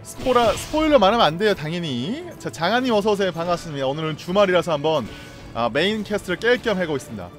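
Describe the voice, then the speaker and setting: A young man streaming a game live, reacting loudly, laughing and greeting viewers. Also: high voice, very animated, quick pace, faint music behind.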